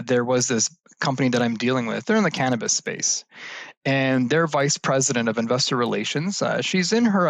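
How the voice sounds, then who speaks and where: Man, gravelly voice, dry close sound, interview guest, animated storytelling, lots of fillers. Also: mid-range voice, no room sound. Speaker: guest, IT services business leader. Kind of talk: conversational interview answers.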